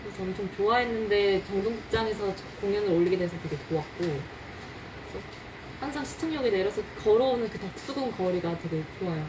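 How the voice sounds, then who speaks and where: A woman's voice: medium pitch, fairly quick. Woman with a Gyeongsang accent, noisy audio. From Masan, South Korea. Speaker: stage actress. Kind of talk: casual interview chat.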